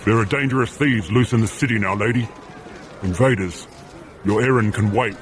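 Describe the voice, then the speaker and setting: Guy doing stern city guard, kinda low voice, bit of background noise, fantasy audio drama. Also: normal speed, lightly acted. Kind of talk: fitness audio drama acting. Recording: faint background ambience noise.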